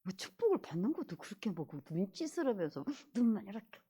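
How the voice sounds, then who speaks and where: Woman pastor, lively swooping voice, scolding, loud then whispering. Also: mid-range voice, quick pace, slightly rough. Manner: animated and scolding, swinging between loud exclamations and whispered asides. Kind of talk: sermon.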